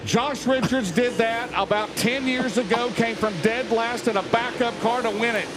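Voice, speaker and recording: A man's voice: very high voice, steady tone, moderate pace. A man doing play-by-play as a motorsport commentator, calling a live race in short punchy phrases. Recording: vehicle noise behind the voice. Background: race cars outdoors.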